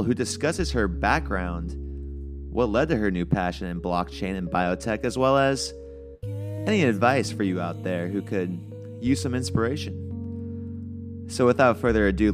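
A man hosting a podcast, introducing his guest in an upbeat announcer manner and asking relaxed questions. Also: fairly low pitch. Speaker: podcast host. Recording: music bed under voice.

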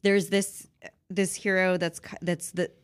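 A woman with a slightly low voice talks through old legends in a loose, chatty way. She stumbles, restarts and giggles as she goes, and fills her sentences with "like". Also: little pitch movement, a little slow, clean tone. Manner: chatty, many fillers, giggly. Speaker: podcast co-host. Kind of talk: casual chat about mythology.

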